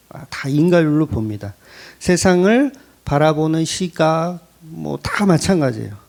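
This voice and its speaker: Animated Korean pastor preaching a sermon. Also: male voice, fairly high pitch. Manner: conversational, asks the congregation questions; lively, rising emphasis. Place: church.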